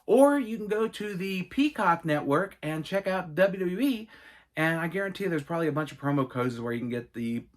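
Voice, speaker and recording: A middle-aged man hosting a casual Q&A video, telling stories with enthusiastic, animated asides. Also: a little high, moderate pace. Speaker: gaming and wrestling channel host. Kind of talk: casual Q&A monologue.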